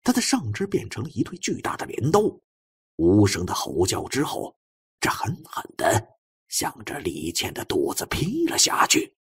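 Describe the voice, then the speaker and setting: Husky, dramatic male storyteller with swooping pitch. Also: huge pitch swings, moderate pace. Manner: theatrical, suspenseful storytelling with swings from hushed to forceful. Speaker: audiobook narrator. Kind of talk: dramatic suspense audiobook narration.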